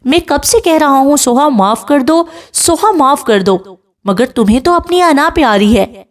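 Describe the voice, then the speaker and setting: A woman's voice: on the high side, sing-song, distant mic. A woman voicing a young husband who teases his wife and then begs her forgiveness, in a dramatic novel reading. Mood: angry. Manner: teasing, then pleading. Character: young male husband, teasing yet remorseful.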